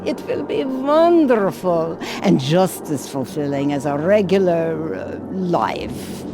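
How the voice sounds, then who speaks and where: A woman's voice: lowish voice, big pitch swings, slow, creaky, noisy background, heavily acted. A woman voicing a wry, bossy gypsy fortune teller in a video game, with a theatrical, knowing manner. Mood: soothing. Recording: music behind the voice. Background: music.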